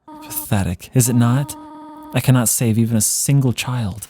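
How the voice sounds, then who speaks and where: A man voicing a gentle, sorrowful motherly monster from a video game, speaking slowly, tenderly and solemnly. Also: mid-range voice, a little hiss or hum, natural voice. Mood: despairing. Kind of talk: voiced read-along of game dialogue.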